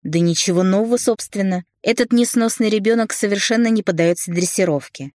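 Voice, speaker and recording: A woman's voice: medium pitch, fairly quick, a little mellow, no room sound, studio quality, pitched above the performer's own voice, natural voice. A woman reading an audiobook, voicing an indignant sixty-year-old nanny who exclaims in exasperation. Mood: exasperated. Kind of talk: audiobook narration.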